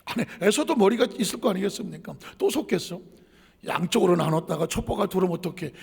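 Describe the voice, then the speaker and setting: Male pastor, high gravelly voice, fervent sermon in a reverberant church. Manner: emphatic, repeats phrases, asks the congregation questions. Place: church sanctuary.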